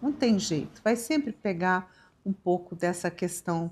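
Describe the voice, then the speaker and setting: Using a normal speaking voice, a woman talks fairly slowly at a medium pitch with ordinary pitch variation. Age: 60s. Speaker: spiritual teacher and tarot reader. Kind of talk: casual live-stream chat. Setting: live stream.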